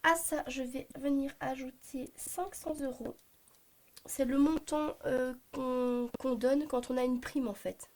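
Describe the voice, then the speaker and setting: A woman in her thirties with a Belgian French accent, hoarse from a cold, chatting to camera about her family budget with many hesitant fillers. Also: high voice, fairly even intonation, slow pace, darkish tone, slight background noise. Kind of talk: casual talk to camera. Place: home at a desk, morning.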